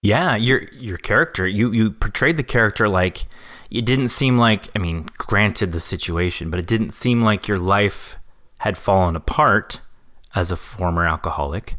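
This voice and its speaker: An American man hosting a podcast interview, friendly and quick to agree. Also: fairly low pitch, a bit bright. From United States. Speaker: podcast host. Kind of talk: casual interview chat.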